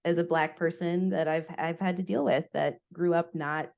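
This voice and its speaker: Candid, lively woman sharing her story. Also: on the low side, moderate pace, gravelly. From United States. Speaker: podcast guest. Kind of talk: casual interview conversation.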